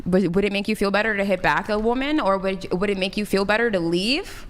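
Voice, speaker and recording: A woman's voice: mid-range voice, fast. A woman in her thirties holding her ground in a panel debate. She sounds firm and dismissive, and she leans on rhetorical questions. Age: 30s. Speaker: panel guest. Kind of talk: heated debate.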